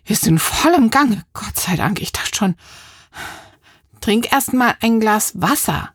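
A woman's voice: medium pitch, animated, measured pace, creaky, no room sound, studio quality. A woman reading a children's audiobook, voicing a chatty, gossipy grown woman with a conspiratorial, breathless manner. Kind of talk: audiobook character voice.

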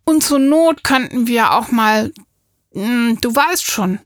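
A woman's voice: on the high side, lively intonation, slow pace, no echo, clean studio sound. A woman voicing a cheeky nine-year-old girl in a storybook reading, chatty and bargaining. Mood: coaxing.

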